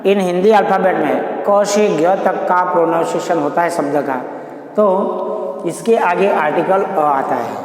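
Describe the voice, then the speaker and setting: A male teacher explains a grammar point, repeating each key term. He talks at a slow, measured pace in a fairly high voice. The recording rings with a long hall reverb. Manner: mixes English and Hindi, repeats key terms, slow deliberate explaining. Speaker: school English teacher. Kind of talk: classroom grammar lesson. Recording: very echoey room with long reverb.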